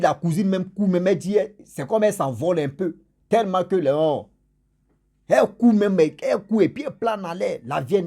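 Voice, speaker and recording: A man's voice: on the high side, dark tone, husky. A man casually retelling a mystical tale, rambling and repeating himself while he speaks to his listeners. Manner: rambling, repeats phrases, addresses listeners directly. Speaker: storyteller.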